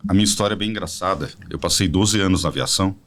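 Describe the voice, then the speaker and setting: A man in his forties from São Paulo, a podcast guest telling a personal story as a smooth sales pitch. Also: racing, fairly bright tone. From São Paulo state, Brazil. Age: 40s. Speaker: podcast guest, product representative. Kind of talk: casual promotional chat.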